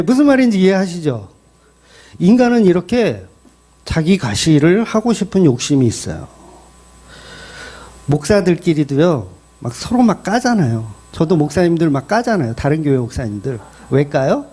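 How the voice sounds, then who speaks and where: A middle-aged male pastor preaching a sermon in a lively, joking way, with many questions to the congregation. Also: on the high side, moderate pace, long pauses.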